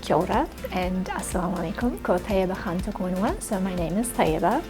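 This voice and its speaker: A woman's voice: medium pitch, sing-song, brisk. A woman from Pakistan speaking frankly and with emphasis in a documentary interview. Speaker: interviewee, advocacy director. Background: background music.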